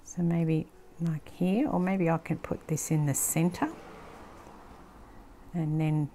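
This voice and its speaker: An older woman with an Australian accent, casually thinking aloud as she works on a craft project, sometimes dropping into a soft near-whisper. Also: low-pitched, fairly even intonation, takes it slowly, slight background noise. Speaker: craft channel host. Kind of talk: casual craft-along commentary. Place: indoor craft table, filmed from overhead.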